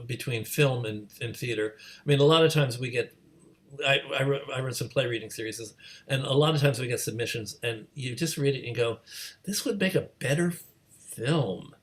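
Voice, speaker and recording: Halting, conversational male interviewer. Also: medium pitch, fairly bright tone. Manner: halting, stammering over word starts. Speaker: interviewer, event host.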